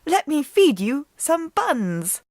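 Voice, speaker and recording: A woman's voice: high voice, very animated, slow, a little mellow, no room sound, clean studio sound, voice pushed up, exaggerated voice. A woman voicing a kind, polite, nervous young girl in a storybook reading, with a girlish delivery. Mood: forced calm.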